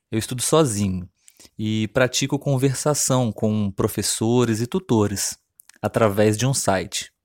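A man's voice: mid-range voice, a little mellow, no echo, clean studio sound. Friendly man in his thirties. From Brazil, Rio de Janeiro state. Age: 30s. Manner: clear, friendly, unhurried delivery for language learners. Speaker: podcast host. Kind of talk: scripted solo podcast monologue.

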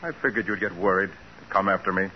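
An actor playing a cool, tough private detective, wry and composed, in a 1940s radio crime drama. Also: male voice, low-pitched, quick pace, natural voice. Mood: cool, defiant. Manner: wry, composed, matter-of-fact. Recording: muffled, hissy 1940s radio recording.

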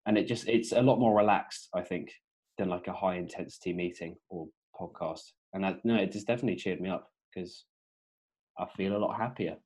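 A man's voice: low-pitched, brisk, a little mellow, poor audio. A young man co-hosting a podcast over a video call, talking in a laid-back, rambling way with many fillers. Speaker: podcast co-host.

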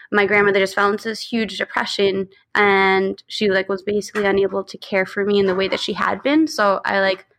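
A woman's voice: medium pitch, a bit bright. A woman in her thirties from Long Island with an American accent and Spanish as her first language, telling stories casually as an interview guest. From Long Island, New York, United States. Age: 30s. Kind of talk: casual conversational storytelling.

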